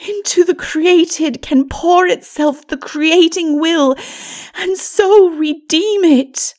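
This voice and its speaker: A woman voicing a sorrowful, righteous holy woman in a dark fantasy audiobook, breathy and often near a whisper, solemn and pleading. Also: very high voice, slow, voice pushed up. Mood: solemn exhortation.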